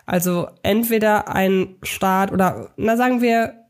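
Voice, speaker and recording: A woman's voice: medium pitch, measured pace, a little mellow. Woman, podcast co-host, casual film talk, explanatory, step-by-step reasoning.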